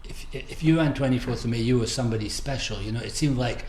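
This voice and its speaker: A man's voice: medium pitch, darkish tone, a little hiss or hum. Older man reminiscing, roomy sound. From Scotland. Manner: halting, repeats words, chuckles at memories. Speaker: interview guest. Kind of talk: reminiscing interview.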